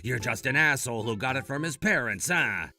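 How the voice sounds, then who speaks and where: A man's voice: mid-range voice, animated, brisk, bright, forceful tone, faint music behind. A man voicing a spiteful, crude bully of a boss who sneers and cackles. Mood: sneering.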